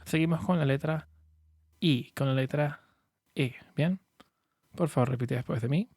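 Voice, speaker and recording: A man teaching English pronunciation in a patient, clear way, saying model words slowly for learners to repeat. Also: a little high, darkish tone, no room sound, clean studio sound, soft background music. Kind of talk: shadowing lesson, repeat-after-me drills.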